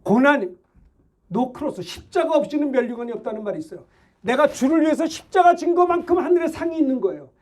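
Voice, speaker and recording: Middle-aged male preacher, very high-pitched, fiery and shouting, pressing the congregation with questions. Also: expressive, fairly quick. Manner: shouting, exhorting, rhetorical questions. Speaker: pastor. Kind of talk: fervent Sunday sermon.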